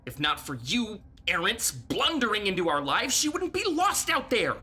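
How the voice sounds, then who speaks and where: A woman's voice: medium pitch, very animated, moderate pace, sharp tone, husky, exaggerated voice. A woman voicing a bitter, bewitched young man who stammers and speaks coldly. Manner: cold, resentful, stammering.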